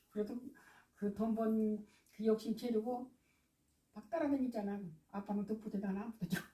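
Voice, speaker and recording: A woman with a Jeolla accent speaks at a moderate pace with long, frequent pauses, her fairly high voice keeping a fairly even intonation. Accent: Jeolla dialect Korean. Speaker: host's mother, rural villager. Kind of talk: casual family conversation.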